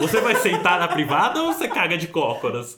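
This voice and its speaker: An animated voice with a Brazilian accent at a moderate pace, amid noticeable background noise and audible room echo. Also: man. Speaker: podcast host. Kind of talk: casual comedic chat. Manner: animated, laughing often.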